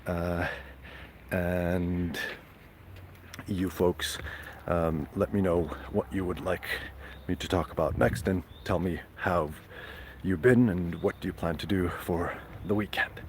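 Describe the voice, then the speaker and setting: A man hosting a casual live stream, chatting with viewers in a halting way full of fillers and restarts. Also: sits low, fairly even intonation, a little hiss or hum. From Serbia.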